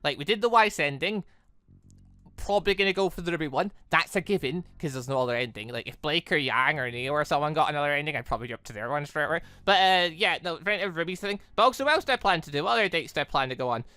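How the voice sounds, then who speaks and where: A gaming video host giving casual, rambling playthrough commentary in an animated way, often repeating words. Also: mid-range voice, fast talker, no room sound.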